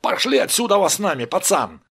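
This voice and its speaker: A man voicing a loud gang of young male thugs who shout and swear. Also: sits high, huge pitch swings, normal speed, gravelly, husky, pitched above the performer's own voice, exaggerated voice. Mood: jeering.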